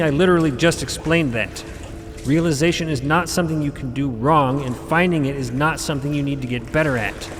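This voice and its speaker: A man's voice: fairly high pitch, close to an everyday voice. An actor playing a wise, exasperated male cosmic mentor in a fantasy audio drama, pontificating with dry, impatient asides. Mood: dry exasperation. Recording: long cavernous reverb under loud music.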